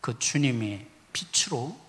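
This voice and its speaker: A man preaching a sermon as pastor, swinging between loud emphatic lines and hushed whispers. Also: mid-range voice, big pitch swings, slow. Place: church sanctuary. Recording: long church reverb.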